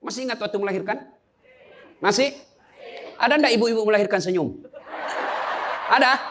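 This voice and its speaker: A middle-aged male preacher with a Makassar Indonesian accent gives a joking sermon to a live crowd. His voice sits unusually high and he keeps teasing his listeners with playful asides. Faint room sound hangs behind him. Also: normal speed, noisy background. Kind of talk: humorous sermon to a live audience.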